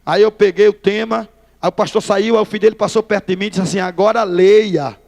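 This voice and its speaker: A man's voice: sits high, fairly even intonation, fast talker, creaky, a little mellow. A male pastor with a Northeastern Brazilian accent, telling his testimony in a folksy preaching style and calling the listeners brother. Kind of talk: testimony sermon. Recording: long hall reverb.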